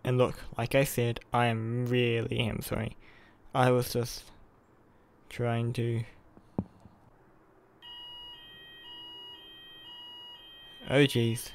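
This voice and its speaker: A man's voice: medium pitch, monotone, takes it slowly, gravelly, a little hiss or hum. A young man playing an awkward, earnest college student who is secretly a superhero, in a roleplay audio with hesitant delivery. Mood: apologetic.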